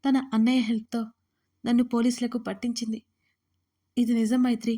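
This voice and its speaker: A woman's voice: a little high, flat delivery, fairly quick, mellow, natural voice. A woman voicing a young man who pleads desperately and tearfully with the woman he loves, in an audio story. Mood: accusing.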